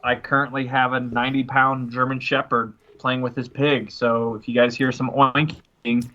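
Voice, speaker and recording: Bright-voiced man on lo-fi audio. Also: medium pitch, flat delivery, moderate pace. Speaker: remote tabletop game player. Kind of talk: casual joking chat.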